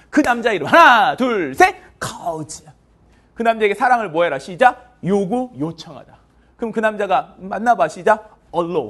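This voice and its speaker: A man's voice: a little high, slightly rough. A male English teacher lecturing a class, drilling students with call-and-response and counting them in. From South Korea.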